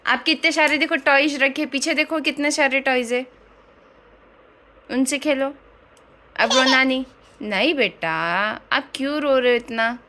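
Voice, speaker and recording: A woman soothing and coaxing a crying, teething baby in gentle baby talk. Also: sits high, fairly even intonation, a little slow, long pauses.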